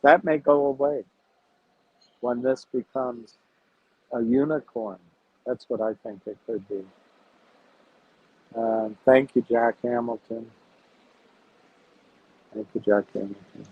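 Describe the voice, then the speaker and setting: A man hosting a casual livestream about investing, talking to his viewers in a measured, reflective way as he thinks aloud. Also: mid-range voice, steady tone, husky. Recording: tinny phone-like sound.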